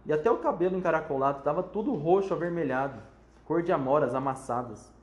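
A man reads a children's book aloud with expressive, animated narration. His voice sits a little high. The room gives it a roomy echo. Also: fast talker, muffled recording. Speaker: storyteller.

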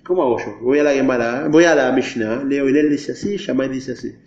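A male teacher leads a classroom lesson, explaining ideas step by step and throwing questions to the class. His voice sits at an ordinary middle pitch. The recording is dull and lo-fi, with a roomy echo. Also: a little fast, darkish tone. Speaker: religion teacher. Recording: echoey, dull lo-fi room recording.

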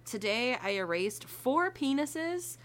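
A woman co-hosting a podcast, talking in an animated, exasperated way. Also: high-pitched, slow pace, a little hiss or hum. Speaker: podcast co-host. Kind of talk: casual podcast chat.

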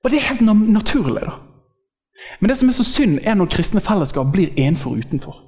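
Lively, joking male preacher in a reverberant hall. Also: high-pitched. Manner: lively, joking, acts out quotes in slangy speech. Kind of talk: informal sermon.

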